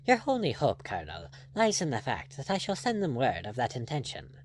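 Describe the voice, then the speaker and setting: Man playing a gallant pirate captain, lively-voiced. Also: mid-range voice, a little fast, a little hiss or hum. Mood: commanding, mocking. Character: gallant Irish pirate captain, bold, ironic, wistful.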